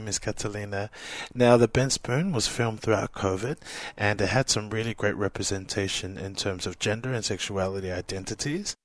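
A man's voice: on the low side, no room sound. A man hosting a conversational radio interview podcast. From Samoan, living in Australia.

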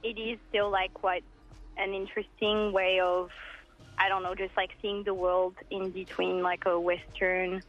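A woman's voice: mid-range voice, level tone, a little slow. A woman talks loosely over the phone, her sentences wandering and full of filler words. The line sounds dull and narrow, with a little music playing underneath. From France. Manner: rambling, many "like" fillers. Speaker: musician guest. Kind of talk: casual interview chat.

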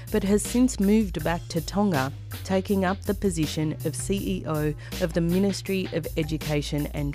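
A woman hosting a radio program, introducing the topic in a measured, formal way and then interviewing a guest. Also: on the low side, darkish tone. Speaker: radio show host.

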